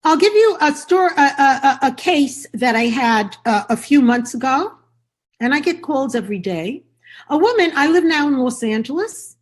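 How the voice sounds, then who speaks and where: A woman's voice: sits high, animated, moderate pace. A woman from New York giving an impassioned lecture, telling stories about her work and asking rhetorical questions. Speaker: speaker on agunah cases. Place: Los Angeles event.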